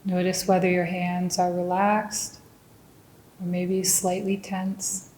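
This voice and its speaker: Woman, meditation teacher, very slow pace, soft mellow tone, gentle deliberate phrasing, long pauses, roomy echo. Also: fairly low pitch, completely flat delivery, a little hiss or hum. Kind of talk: guided meditation.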